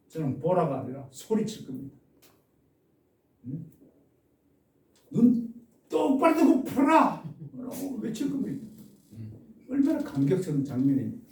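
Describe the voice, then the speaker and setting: A man preaching an expository sermon as a pastor. He stresses key words with loud exclamations and asks the congregation questions. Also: fairly high pitch. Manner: asks the congregation questions and has them repeat phrases. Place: church sanctuary. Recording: echoey church room, mic at a distance.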